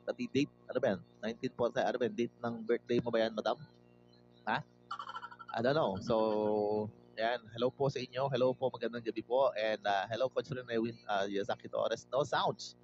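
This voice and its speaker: A man's voice: mid-range voice, fairly even intonation, moderate pace. A Filipino man hosting a livestream, casually greeting viewers by name, reading comments aloud and mixing Tagalog with English. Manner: mixes Tagalog and English freely. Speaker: livestream host. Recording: dull lo-fi livestream audio with faint music.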